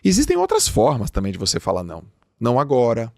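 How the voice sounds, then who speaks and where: Brazilian male podcast host, gravelly voice, dry close studio sound, emphatic motivational delivery. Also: fairly low pitch, huge pitch swings, fast, a little mellow, dry recording. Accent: Brazilian Portuguese. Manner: emphatic, acts out quoted dialogue. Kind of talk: motivational talk.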